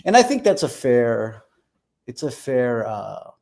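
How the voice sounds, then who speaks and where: A man from the United States with a gravelly edge to his voice, speaking as a guest in a relaxed interview. He works through his ideas out loud, circling back and repeating words as he goes. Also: mid-range voice, slow. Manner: thoughtful, repeats words while forming ideas. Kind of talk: casual conversation.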